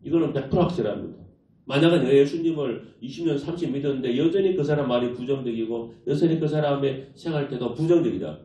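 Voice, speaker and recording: Lively male pastor preaching in echoey church. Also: mid-range voice, quick pace. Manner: animated preaching, rhetorical questions to the congregation. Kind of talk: sermon. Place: church sanctuary. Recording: echoey church hall, distant mic, dull lo-fi.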